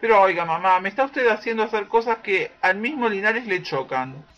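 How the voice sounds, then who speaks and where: A woman's voice: medium pitch, expressive, a little fast, a bit bright, lightly acted. Woman playing a resentful daughter, muffled sound. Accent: Argentine. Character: resentful, resisting young daughter. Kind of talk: amateur radio play acting. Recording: dull lo-fi recording.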